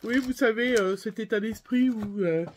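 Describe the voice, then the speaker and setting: A woman's voice: on the high side, normal speed, slight background noise. A French woman with a head cold, rambling casually through a shopping haul with lots of hesitations. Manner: rambling, many fillers and restarts. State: congested with a cold. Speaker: scrapbooking vlogger. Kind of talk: casual haul chat to viewers.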